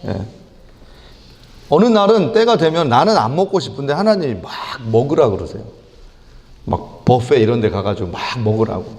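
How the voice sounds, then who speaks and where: A middle-aged male pastor preaching a sermon, animated and acting out prayers and rebukes in lively voices. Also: medium pitch. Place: church sanctuary. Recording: long church hall reverb.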